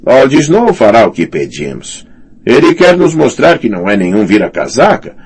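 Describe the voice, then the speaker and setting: A man's voice: lowish voice, sing-song, normal speed, slightly rough, voice pushed up, full character voice. A man playing a sly sneering knight. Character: cold scheming male knight, sneering. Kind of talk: audiobook character reading.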